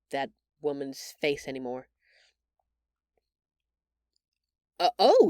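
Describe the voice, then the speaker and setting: A woman playing a gentle, shy female alien who stammers earnestly and apologetically in an intimate audio roleplay. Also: fairly low pitch, no echo, clean studio sound. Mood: hesitant, tender.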